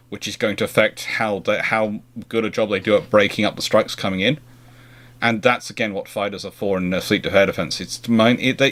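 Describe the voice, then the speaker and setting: On the low side and a bit bright, this British host's voice guides a relaxed naval history Q&A. He wanders through his explanations, rewording things while he works out his thoughts.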